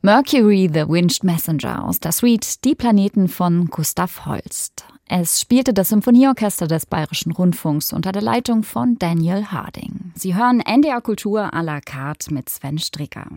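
Calm low-voiced woman radio host. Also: normal speed, few pauses, no room sound, clean studio sound. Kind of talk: radio interview and announcing.

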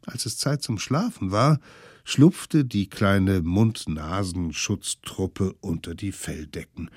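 A man narrating a children's story in a slow, expressive way. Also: lowish voice, breathy edge, no room sound, studio quality.

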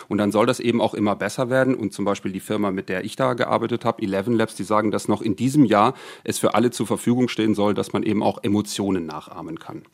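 A man working as a correspondent, explaining casually on a podcast, relaxed and often starting over. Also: fairly low pitch. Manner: relaxed, with many fillers and restarts.

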